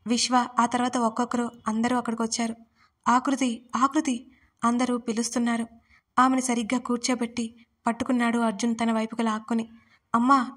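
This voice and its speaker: A woman narrating a story in scripted style, reading out the characters' lines with small shifts in her voice. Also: on the high side. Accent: Telugu.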